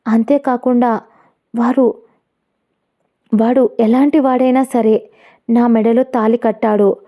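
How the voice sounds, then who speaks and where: Woman playing a defiant young wife in an audio love story, higher, mellow voice. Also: steady tone, moderate pace, lightly acted. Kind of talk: storytelling narration.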